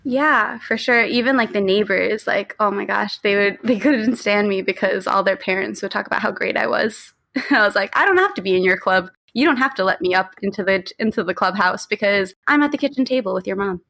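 A woman in her thirties from Long Island, New York, talks briskly as she casually recounts stories for an interview. Her medium-pitched voice is creaky yet fairly bright. She has an American accent, and Spanish is her first language.

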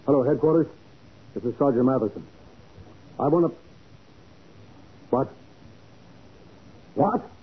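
An actor playing a blunt, slangy, skeptical police sergeant in a 1940s radio crime drama. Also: male voice, mid-range voice, a little slow, pauses often, breathy edge. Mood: urgent, businesslike. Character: gruff, slangy, skeptical male police sergeant, loyal sidekick. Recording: noisy, narrow-band 1940s radio recording.

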